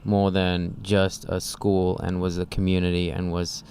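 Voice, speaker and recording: A man with a very low voice explains his school in long, run-on sentences, keeping his pitch flat. It is relaxed podcast talk. Faint noise sits underneath. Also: measured pace. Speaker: co-founder of a music school. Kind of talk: casual podcast chat.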